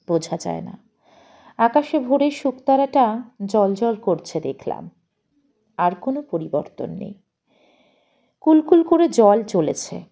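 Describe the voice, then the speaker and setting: Mellow-voiced woman reading a story dramatically. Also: on the high side. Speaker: audio story narrator and presenter.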